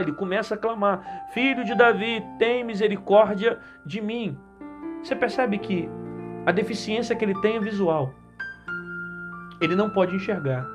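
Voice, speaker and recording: A man with a Brazilian Portuguese accent preaching a sermon as a pastor, exhorting earnestly and repeating his points. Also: high voice. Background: guitar music.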